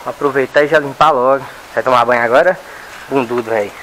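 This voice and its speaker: A man's voice: mid-range voice, fast, fairly bright tone. Chatty man, noisy yard. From Brazil. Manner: chatty, talks to the dogs in a coaxing, scolding voice. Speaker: dog owner vlogger. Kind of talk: casual running commentary while working. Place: outdoor yard with dog kennels.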